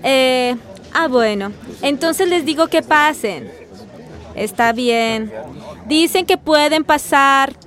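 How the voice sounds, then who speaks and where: An actress playing a polite, hesitant young secretary in a radio drama. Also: female voice, sits high, slow, a crowd in the background. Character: polite young female secretary at the mayor's office.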